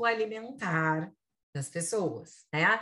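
Here a woman talks at a very slow pace. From southern Brazil (Rio Grande do Sul). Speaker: nutritionist and professor. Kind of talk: podcast interview.

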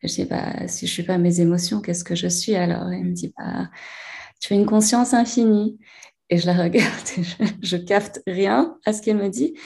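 A woman talks at a fairly quick pace, her medium-pitched voice somewhat breathy with a dark, mellow tone. Her pitch varies in an ordinary way. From Paris, France. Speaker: ocean and dolphin advocate. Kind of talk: interview conversation. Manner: halting, with frequent repetitions.

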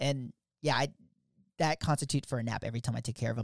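Man with a plain, everyday voice and an American accent, medium in pitch with fairly even intonation, in a dry, close sound with no echo on a very clean recording with a silent background. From US, South Philadelphia. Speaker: podcast co-host. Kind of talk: casual chat.

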